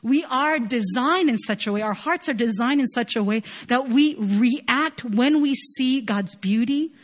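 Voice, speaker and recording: A young woman raised in Chile preaches in an earnest, conversational way, full of casual fillers. Her voice sits a little on the high side. She talks warmly but plainly, more like a chat than a pulpit speech. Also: a little slow. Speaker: worship leader preaching. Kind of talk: sermon.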